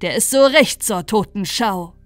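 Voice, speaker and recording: A woman voicing a cold, grim knight who speaks loudly in chanting rhymes. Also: medium pitch, expressive, unhurried, close to an everyday voice.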